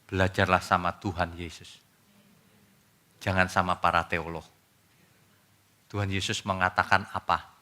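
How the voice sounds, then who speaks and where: Forceful, emphatic male pastor preaching. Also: flat delivery, measured pace, pauses often. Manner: swings between loud emphatic bursts and quiet low asides; casual colloquial preaching, often addressing listeners directly. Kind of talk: sermon.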